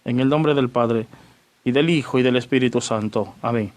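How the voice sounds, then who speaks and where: A man, a Catholic parish priest, teaching church doctrine on the radio in a chatty way, greeting listeners by name and pausing on fillers as he explains. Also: mid-range voice. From Dominican Republic.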